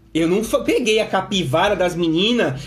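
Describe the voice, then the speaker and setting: A man speaks in an animated tone. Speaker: relationship coach. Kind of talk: live stream talk.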